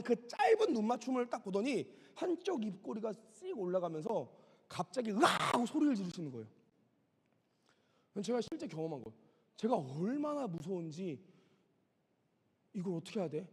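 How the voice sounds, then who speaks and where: A middle-aged man preaches a sermon, telling a story with vivid, dramatic delivery. His voice sits high and swings widely, with a gravelly, husky edge. A long church-hall reverb carries behind him. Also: a little mellow. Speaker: pastor. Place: church sanctuary.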